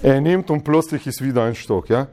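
A man's voice: mid-range voice, a little fast. A man teaching the Bible to a church group in slightly broken German, playfully acting out dialogues and laughing often. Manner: animated, playfully acts out dialogues with frequent laughs.

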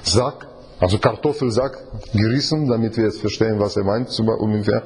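Leading a Bible study group, this man preaches informally in a fairly low, steady, darkish voice that's slightly rough. He speaks haltingly, restarting often, using fillers, and asking rhetorical questions.

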